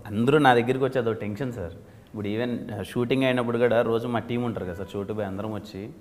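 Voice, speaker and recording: A man's voice: mid-range voice, fairly even intonation, fast talker. A young man, an actor in an interview, answering respectfully and often agreeing with "sir". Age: young adult. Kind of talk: casual interview chat. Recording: room with long reverb.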